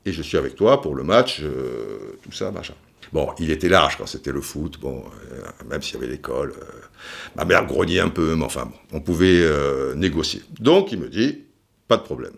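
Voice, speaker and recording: Chatty low-voiced French podcast man. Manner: chatty, digressive, many fillers and restarts. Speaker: podcast host. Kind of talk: casual storytelling monologue.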